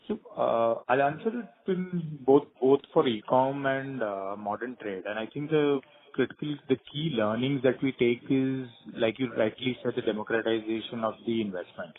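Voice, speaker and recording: A man's voice: medium pitch, normal speed. A man with an Indian accent, a division head giving a structured business answer point by point. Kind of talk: explanatory business answer on a conference call. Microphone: phone line. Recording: tinny phone conference line.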